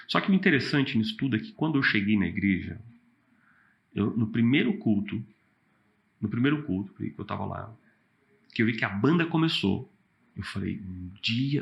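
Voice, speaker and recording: A man, a pastor and worship leader, telling stories in a casual interview, animated and laughing often. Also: mid-range voice, normal speed, gravelly, pauses often, highs cut off.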